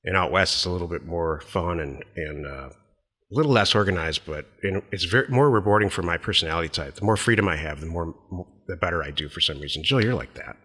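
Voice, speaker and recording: Middle aged american guy on a podcast, husky n forceful, plain spoken, lots of room reverb. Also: low voice, fast. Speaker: podcast co-host. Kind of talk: casual business podcast chat.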